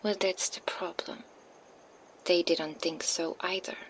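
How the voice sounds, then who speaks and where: A woman voicing a cold, menacing female vampire enforcer in an ASMR roleplay, speaking in a soft, slow, taunting whisper into a binaural microphone. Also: lowish voice, fairly even intonation, low-quality recording.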